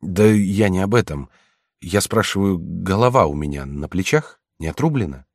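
A man's voice: low-pitched, lively intonation, normal speed, no echo, studio quality. A man voicing a young masterless samurai in a read-aloud tale, earnest and pleading. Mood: anxious.

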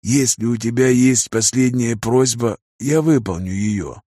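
A man voicing a calm, ruthless old patriarch in an audiobook, speaking slowly and quietly. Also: medium pitch, no room sound, clean studio sound, close to an everyday voice. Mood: cold calm. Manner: slow, measured, hushed. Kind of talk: audiobook character reading.

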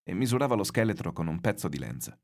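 A man reading a novel aloud in measured, expressive literary narration. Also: low voice.

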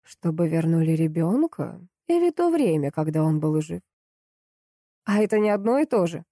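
A woman voicing a sinister wolf-faced man in black, a shadow who speaks in a husky, cold and curt way. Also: on the low side, expressive, normal speed, warm tone, no echo, clean studio sound.

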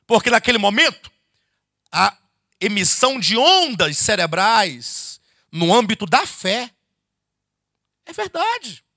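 A lively, high-pitched male preacher from Brazil, his voice gravelly yet bright and cutting. He teaches his congregation in a chatty sermon, swooping up and down as he throws out one rhetorical question after another. The recording is close and dry. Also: slow pace, long pauses, dry recording. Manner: animated, rhetorical questions, addresses listeners as "queridos". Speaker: bishop teaching a Bible study. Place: church meeting hall.

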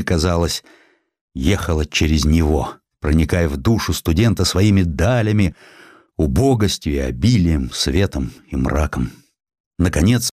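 A man giving a dramatic scripted audiobook narration, measured and grave, with deliberate pauses. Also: low-pitched, a little mellow, no echo, studio quality.

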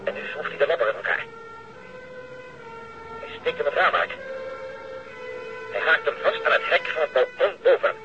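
A man acting an excitable police lookout reporting urgently in a Dutch radio drama. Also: on the high side, moderate pace, pauses often, soft background music. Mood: watchful. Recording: muffled, noisy, sirens and radio behind.

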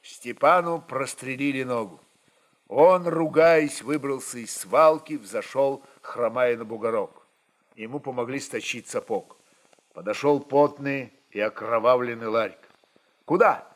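A man's voice: mid-range voice, unhurried. A man narrating a literary historical story in a dramatic audiobook style.

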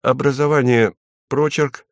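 A man voicing a timid, tender-hearted male commandant who speaks softly and hesitantly. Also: medium pitch, fairly even intonation, a little slow, no echo, studio quality, voice pushed up, lightly acted. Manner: soft and hesitant.

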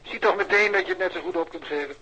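A man's voice: high-pitched, fast talker, pushed and bright, breathy edge, heavily acted. An actor playing a resigned, evasive policeman over a telephone line in a radio drama. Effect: telephone filter. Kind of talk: Dutch radio drama acting. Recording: dull, band-limited telephone sound.

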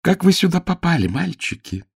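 A man's voice: fairly high pitch, very animated, normal speed, gravelly, slightly rough, no room sound, voice pushed up, full character voice. Guy doing a sweet sing-song noble lady, raised voice, coaxing and sugary, dry close sound. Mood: sweetly coaxing. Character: beautiful melodious noble lady, sweetly cruel. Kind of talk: audiobook character reading.

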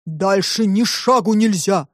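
A woman voicing a dull-witted forest monster that drags out short, muffled commands in a slow monotone. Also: mid-range voice, dry recording, clean studio sound, lightly acted. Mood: menacing. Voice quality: muffled, drawn-out.

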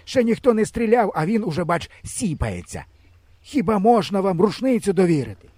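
A man reading a storybook, voicing a gruff, bossy old village grandfather who scolds bluntly. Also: on the high side, sing-song, moderate pace, warm tone, no echo, voice pushed up. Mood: scolding.

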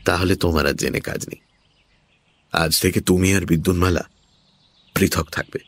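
A man voicing a troubled king who speaks softly and gently to his queen, in an audiobook. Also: steady tone, normal speed, no room sound. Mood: tender. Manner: soft, low, gentle. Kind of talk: audiobook character voice.

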